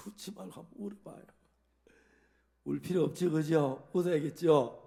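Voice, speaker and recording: A man's voice: fairly high pitch, a little slow, vocal fry, mellow. A man preaching a sermon as a pastor, telling a story and acting out the dialogue in it.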